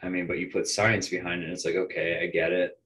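An American man in his twenties, a musician guest on a podcast, talking in an animated, emphatic way and swearing casually. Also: sits low, fast talker, slight background noise, low-quality recording. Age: 20s.

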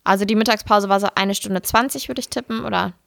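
Casting: female podcast co-host, mid-pitched voice, relaxed conversational anecdotes, very dry studio-like sound. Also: fast talker, creaky, no room sound. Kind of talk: casual chat, personal anecdotes.

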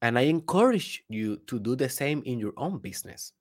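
This native Spanish speaker talks with a Spanish accent in a medium-pitched, sing-song voice at a moderate pace. He's a business coach delivering an emphatic motivational talk on his own, frequently throwing rhetorical questions at the listener.

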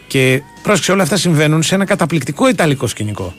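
A man's voice: fairly high pitch, very animated, faint music behind. A man co-hosting a radio show, telling a long, rambling story full of fillers and restarts. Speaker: radio sports show co-host. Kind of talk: casual radio chat.

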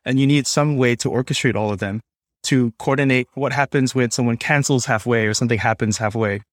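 A man's voice: medium pitch, brisk, dry recording, clean studio sound. A man from Singapore speaking as a podcast guest, explaining tech in a conversational interview style. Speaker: podcast guest, developer experience lead.

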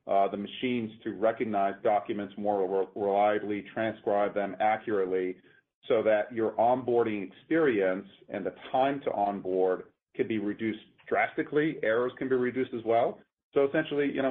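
A man speaking as a company executive, explaining things methodically and haltingly on an earnings call. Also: lowish voice. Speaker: company executive answering analysts. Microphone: conference call line. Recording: muffled, narrow-band conference phone line.

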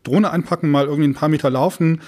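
A man's voice: on the high side, steady tone, quick pace, a little mellow. A man co-hosting a podcast in a casual, chatty style. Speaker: podcast co-host.

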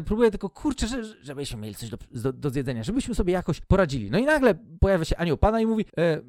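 A man's voice: sits high, a little mellow, no echo, studio quality. A man giving a casual, joking Bible teaching, retelling the story in colloquial storyteller style.

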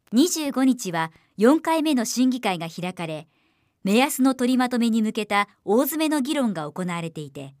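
Woman voiceover narrator, higher-pitched and polished. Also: dry recording. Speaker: professional voiceover talent. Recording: dry studio voice recording.

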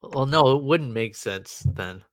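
A man's voice: mid-range voice, animated, a little slow, no room sound, clean studio sound. A man co-hosting a casual sports podcast, rambling with restarts and fillers. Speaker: podcast co-host. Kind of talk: casual chat.

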